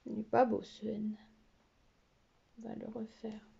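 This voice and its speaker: A woman teacher giving a slow, careful phonics lesson to young pupils, spelling out letters and syllables. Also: a little high, flat delivery, gravelly, warm tone, dull audio, a little hiss or hum. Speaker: primary school teacher.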